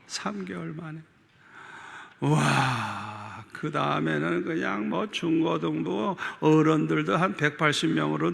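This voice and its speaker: A male pastor delivers a sermon in a large church, his high voice full of gravel and fry. He tells his story with feeling, repeats himself for effect and calls out to the people in front of him. The tone is bright and edged, and a long reverb from the hall trails behind every phrase. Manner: emotional storytelling with many repetitions; calls out to the congregation.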